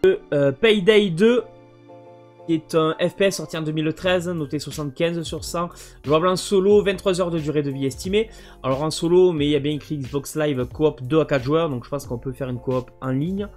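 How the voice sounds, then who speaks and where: A man's voice: fairly high pitch, a little fast, a little mellow, soft background music. A man casually presenting his video game collection, hesitant and full of fillers. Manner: hesitant, many fillers and restarts.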